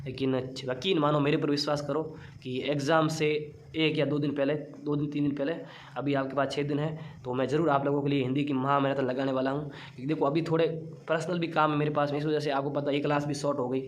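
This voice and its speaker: A man runs an online exam-prep class, chatty and teasing with his students. His voice sits a little high. He has been unwell. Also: level tone, fast talker, slight background noise. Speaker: teacher.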